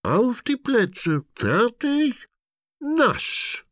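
A man's voice: lowish voice, wildly swooping pitch, slow, husky, no echo, studio quality, voice pushed up, heavily acted. A man voicing a kindly old female elephant in a children's storybook, cheerful and calling out.

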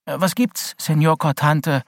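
A man's voice: a little high, a little slow, creaky, no room sound, clean studio sound, pitched above the performer's own voice. A man voicing an impulsive, eager teenage boy hero who speaks earnestly.

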